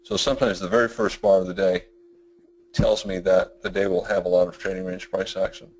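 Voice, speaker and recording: Middle-aged guy with a deep flat monotone, rambling through a trading webinar, lots of you know's. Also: fairly quick, slight background noise, rough recording. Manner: rambling, with many fillers and restarts. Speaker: trading educator presenting a webinar. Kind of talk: webinar lecture.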